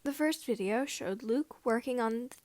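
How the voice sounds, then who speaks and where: A woman reading scripted fan fiction as an amateur narrator, with slightly halting phrasing. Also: on the high side, darkish tone, no room sound.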